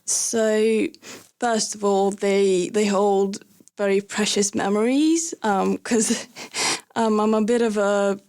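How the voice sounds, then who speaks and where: A young adult woman whose first language is Lithuanian, telling a personal story as a podcast guest, hesitant with many fillers and soft laughs. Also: mid-range voice, fairly even intonation, takes it slowly, clear, resonant tone. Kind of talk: casual conversational storytelling.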